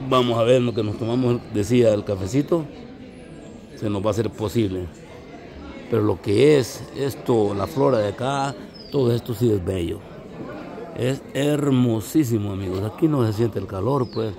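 A man from El Salvador with a Salvadoran accent, vlogging casually outdoors on a misty mountain and talking warmly to his viewers as friends. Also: fairly low pitch, moderate pace, crowd noise. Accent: Salvadoran Spanish. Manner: chatty, addresses viewers as little friends. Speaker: travel vlogger. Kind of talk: casual vlog narration.

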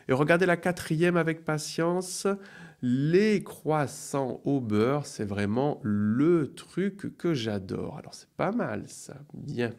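A middle-aged man teaching a live online grammar lesson, reading example sentences slowly and cheering students on with upbeat praise. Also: a little high. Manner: slow, deliberate, drawn-out delivery of example sentences; upbeat praise, playful sound effects. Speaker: French teacher.

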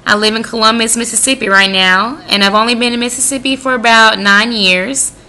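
Bright-voiced young American woman. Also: a little high, fairly even intonation, brisk. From American Midwest. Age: 20s. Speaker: radio job applicant. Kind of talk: informal self-introduction for a radio audition.

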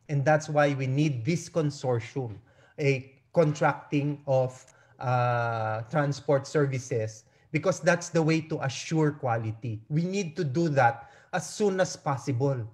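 Older Filipino man, slightly high-pitched, earnest. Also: measured pace. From Philippines. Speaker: doctor, medical society representative. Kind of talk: press conference answer, code-switching argument. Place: indoor room on a video call. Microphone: video call computer microphone.

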